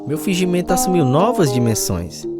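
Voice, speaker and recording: A man acting as an earnest, troubled young Bible college student who tells his story in a measured, confessional radio drama style. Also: a little high, very animated. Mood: anguished, confessional. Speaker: narrator and lead actor. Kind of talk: dramatized first-person radio testimony. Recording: music under the voice.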